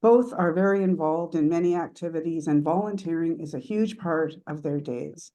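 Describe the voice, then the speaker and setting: A woman with a fairly low, soft-edged, mellow voice introduces a guest at a meeting. She reads from a prepared speech, and her delivery is formal and measured. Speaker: speaker introducing a club guest.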